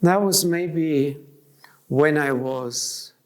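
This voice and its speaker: This time his voice sits on the high side, smooth and extremely slow. He's a middle-aged man from Germany giving a thoughtful interview, often breaking off and restarting phrases mid-sentence.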